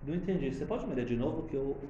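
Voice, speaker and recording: A man voicing an elderly Hasidic rebbe who questions softly and calmly. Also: medium pitch, very fast, echoey room, dull audio, a little hiss or hum, close to an everyday voice. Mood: calm probing.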